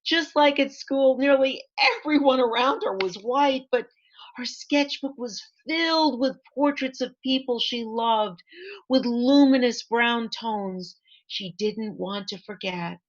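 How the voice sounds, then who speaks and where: High-pitched, unhurried woman reading a storybook. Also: muffled recording. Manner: expressive, pausing to point things out to listeners. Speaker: author reading her picture book aloud. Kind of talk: storytime read-aloud for children with asides. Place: online library event.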